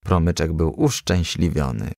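Narrator, male, low gravelly voice, lively children's-book reading, dry close mic. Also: unhurried, dry recording. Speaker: audiobook reader.

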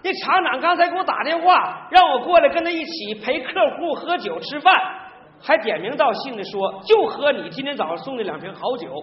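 An actor playing a hapless, evasive middle-aged husband in a stage comedy sketch, whining out excuses emphatically. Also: male voice, very high-pitched, expressive, a little fast. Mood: defensive. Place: large theater stage before a live audience. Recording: echoey theater stage, muffled, noisy.

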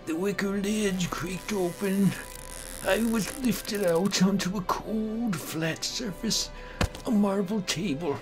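Slow, brooding man narrating horror. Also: high voice, soft background music, rough recording. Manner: slow, brooding, theatrical first-person delivery. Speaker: narrator and amateur voice actor. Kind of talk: dramatic scripted horror comic narration.

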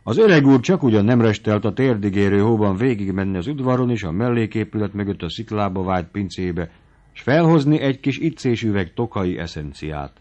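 A man reading a novel aloud as an audiobook narrator in measured storytelling. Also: lowish voice, expressive, a little mellow. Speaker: audiobook reader. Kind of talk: scripted narration. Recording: dull lo-fi audiobook recording.

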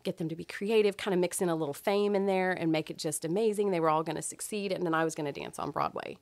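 Podcast guest: middle-aged woman, expressive storyteller, low, dry studio sound. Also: fast, dry recording. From Texas, US. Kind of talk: casual chat.

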